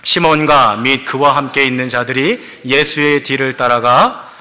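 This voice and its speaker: A man's voice: mid-range voice, a little slow, pushed and bright. A man preaching a sermon as pastor, telling the story with questions to the congregation and English words mixed in. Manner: mixes English words into Korean.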